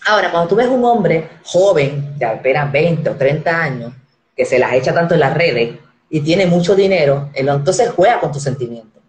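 A woman in her forties hosting a casual live-stream chat, animated and acting out the voices she quotes. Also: sits low, normal speed, echoey room, low-quality recording. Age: 40s. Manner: animated, acts out quoted voices, repeats words.

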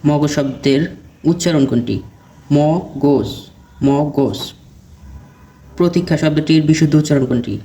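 Man reciting exam answers, mellow voice. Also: a little high, fast talker. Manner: steady question-and-answer recitation. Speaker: exam prep teacher. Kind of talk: reading quiz questions and answers.

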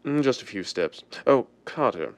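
An actor playing a suave, secretive wealthy gentleman with a smooth, urbane drawl in a 1930s-style radio drama. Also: mid-range voice, big pitch swings, moderate pace. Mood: idle, breezy.

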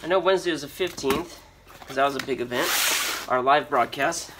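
A brisk, mid-range male voice belongs to a middle-aged American who buys at storage auctions, resells, and vlogs, here giving unscripted, rambling commentary as he unboxes and thinks aloud. He's in a storage unit with a concrete floor. The handheld audio is noisy, crinkly and clicky, with loud rustling, crumpling and clicking behind him.

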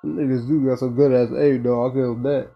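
A man's voice: mid-range voice, steady tone, fairly quick, gravelly, breathy edge, highs cut off. An American man giving casual, profane let's-play commentary in a blunt, slangy, reactive way. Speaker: gaming video host. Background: game music.

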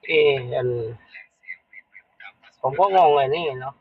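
A man's voice: takes it slowly, no room sound, phone-quality sound. A man hosting a casual live stream, talking bluntly and chattily to his viewers. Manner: blunt, chatty, addresses viewers as brothers and sisters. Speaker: livestream host. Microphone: streaming setup.

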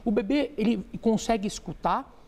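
A man, a doctor guest on a TV talk show, explaining calmly and answering his own rhetorical questions. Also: high voice, normal speed. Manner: didactic, poses rhetorical questions then answers them. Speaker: obstetrician guest.

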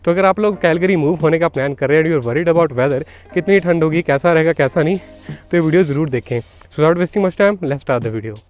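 A man's voice: fairly high pitch, moderate pace, a little mellow, soft background music. A young man chatting casually as he vlogs outdoors on a snowy city street, mixing Hindi with English and calling viewers "bhai", recorded on a handheld camera. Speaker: vlogger. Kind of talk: casual walking-tour vlog.

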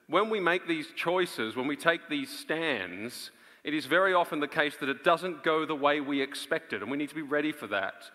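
A man in his thirties preaching an earnest, emphatic live sermon with dramatic pauses on a large auditorium stage. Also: fairly high pitch, animated, pushed and bright. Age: 30s. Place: on stage in a large theatre before an audience. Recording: reverberant large auditorium sound.

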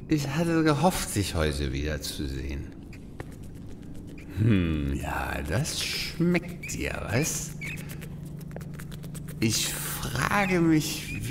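Radio play role: lonely down-and-out alcoholic man played by an actor, mid-pitched, dragging, muttering delivery with very wide intonation. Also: noisy background, heavily acted. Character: lonely homeless alcoholic Russian man, down on his luck. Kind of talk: audio drama acting.

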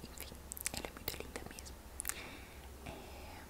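This is a young adult ASMR host with a São Paulo, Brazil accent, speaking a little slowly in a soft, intimate whisper. She sits indoors in a small bedroom with a large microphone right at her mouth, casually fielding her viewers' questions.

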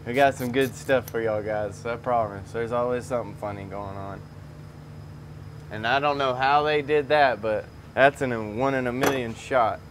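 At a moderate pace and medium pitch, a man presents a video as a transmission mechanic, chatting with viewers in a folksy, casual manner while he works under a lifted truck. He's in an auto repair garage, recorded by a camera a few meters away, with garage sounds clear in the background.

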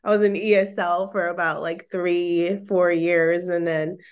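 A woman in her thirties with an American accent, speaking in a lowish voice. She chats loosely as a podcast guest, full of "like" and easy laughter, over an earphone mic from her living room. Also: flat delivery, measured pace, clear, resonant tone. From Okinawa, Japan, and the Philippines. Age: 30s. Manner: chatty, laughs often, many "like" fillers. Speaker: podcast guest, bikini bodybuilder and personal trainer. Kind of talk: casual interview chat. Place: home living room, indoors. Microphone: earphone mic on a video call.

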